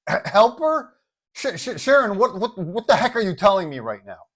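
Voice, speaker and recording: A man's voice: high voice, big pitch swings, normal speed, a bit bright, pitched above the performer's own voice, heavily acted. A man voicing a flabbergasted, idealistic superhero boyfriend in a story, stammering and incredulous. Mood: shocked.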